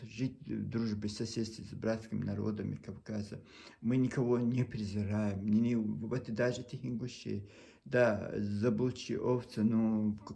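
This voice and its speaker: A man from Chechnya speaking Russian, which is not his first language, with a Chechen accent. He talks earnestly to his camera in a halting, pleading monologue and often restarts his words. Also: on the low side, vocal fry, dark tone. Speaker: video blogger.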